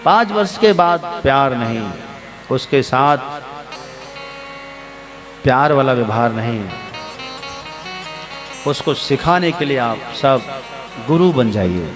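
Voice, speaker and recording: A man's voice: medium pitch, expressive, slow pace, pauses often, over music. A man giving a Hindu religious discourse to listeners, preaching about raising children and acting out household exchanges with quoted voices. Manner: preachy, acts out household dialogue. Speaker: Hindu spiritual teacher.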